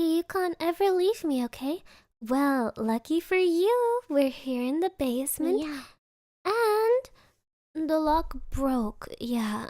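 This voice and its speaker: A young woman streamer chatting casually with her viewers, teasing them playfully and dropping Japanese filler words between soft laughs. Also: high-pitched, dry recording, clean studio sound. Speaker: VTuber streamer. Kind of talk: casual chat reading viewer messages.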